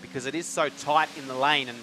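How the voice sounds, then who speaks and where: A man's voice: mid-range voice, fairly even intonation, quick pace. A man, a motorsport commentator explaining the race live in colloquial terms. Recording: loud trackside car and engine noise. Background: race cars and outdoor ambience.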